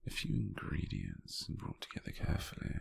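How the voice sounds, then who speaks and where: A British man playing a gentle, doting, teasing lover in an intimate, breathy, half-whispered ASMR roleplay, close to the microphone. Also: sits low, big pitch swings, full character voice. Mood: soft, musing. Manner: slow, tender, softly teasing.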